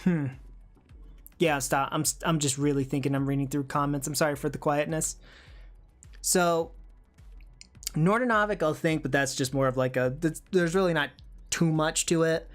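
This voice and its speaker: A livestream host chatting casually and reading viewer comments, thinking out loud in a hesitant, musing way. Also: medium pitch, normal speed, pauses often, faint music behind.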